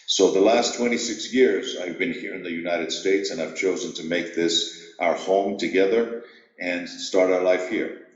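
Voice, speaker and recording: A middle-aged man from Greece, an executive coach, telling his story at a measured, reflective pace in an interview. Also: low-pitched, fairly even intonation, reverberant, muffled recording.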